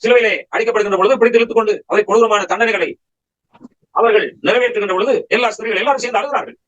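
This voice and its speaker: A man's voice: sits high, fairly even intonation, rapid-fire, a bit bright, highs cut off. A man preaching a Bible study sermon, firing rhetorical questions at his listeners and pressing his points with emphatic exhortation.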